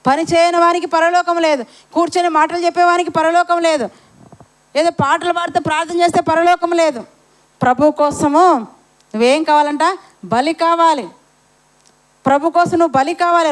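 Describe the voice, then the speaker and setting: A woman preacher delivers a Sunday sermon to her congregation. Her voice sits high, and she drives each point home by asking questions and repeating lines. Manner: rhetorical questions, repeats phrases for emphasis. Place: church service.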